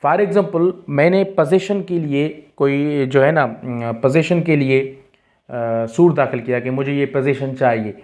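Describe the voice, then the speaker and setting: A man's voice: medium pitch, fairly even intonation, takes it slowly, a little mellow. A man with a South Asian accent lecturing as a teacher, explaining in a didactic way, repeating key phrases and mixing in English terms. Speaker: law teacher. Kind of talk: exam-prep lecture, explaining and reading out definitions.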